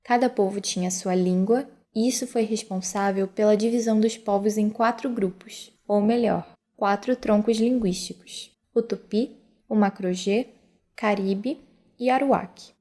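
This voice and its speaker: A woman's voice: mid-range voice, steady tone, a little slow, dark tone. A woman with a Brazilian accent hosts and narrates a scripted podcast. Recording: clear background noise.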